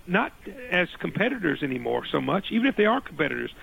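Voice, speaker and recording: A man hosting a radio interview in a rough, gravelly, hoarse voice, repeating phrases for emphasis. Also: a little high, sing-song, fast, a bit bright, low-quality recording. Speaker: radio talk show host.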